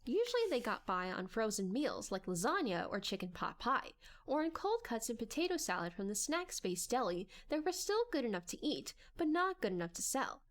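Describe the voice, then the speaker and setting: A woman's voice: fairly high pitch, very animated, normal speed. A woman reading scripted story narration in a dramatic audiobook style.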